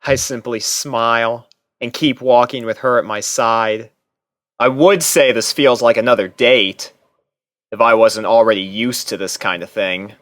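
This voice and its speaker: A man's voice: medium pitch, steady tone, measured pace, fairly bright tone, no room sound. A man reading scripted first-person fiction aloud as a story narrator. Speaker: narrator and reader.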